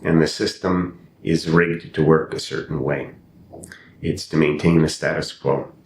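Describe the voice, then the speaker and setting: Older man from Canada, English not his first language, very low voice, roomy sound. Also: fairly even intonation, measured pace. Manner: thoughtful, with frequent restarts and repeated phrases. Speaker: podcast guest, actor and playwright. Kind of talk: reflective interview storytelling. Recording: roomy with faint rumble.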